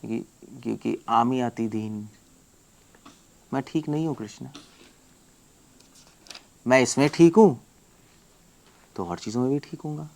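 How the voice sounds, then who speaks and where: This is a man delivering a devotional lecture as a monk. His voice sits at an everyday middle pitch. He drives his points home emphatically, asks his listeners rhetorical questions and slips English words into his speech. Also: unhurried, creaky, pauses often, darkish tone.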